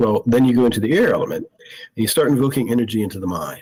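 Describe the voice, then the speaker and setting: An unremarkable speaking voice from a man, medium in pitch and at a fairly quick pace. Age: 50s. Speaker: guest sharing spiritual experiences. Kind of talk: personal testimony in interview.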